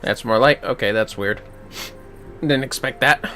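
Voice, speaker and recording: A man's voice: mid-range voice, a little slow, pushed and bright, faint music behind. A man giving casual, sweary and reactive commentary while livestreaming a video game.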